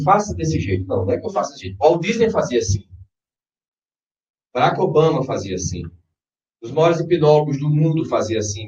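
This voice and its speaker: A man's voice: medium pitch, warm tone. A man with a Brazilian accent speaking as a workshop trainer, instructing and persuading a group and guiding them through exercises. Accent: Brazilian Portuguese. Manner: instructive, persuasive, checks in with short questions. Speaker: NLP trainer leading a live workshop. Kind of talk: public workshop talk and guided visualization. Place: echoey room, live session in front of a group. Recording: roomy, distant, dull sound.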